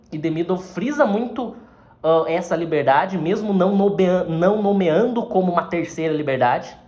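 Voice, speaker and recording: A man's voice: high voice, darkish tone. A man with a Brazilian accent, an actor giving a casual explanatory lesson on acting, talking conversationally and often ending phrases with tag questions.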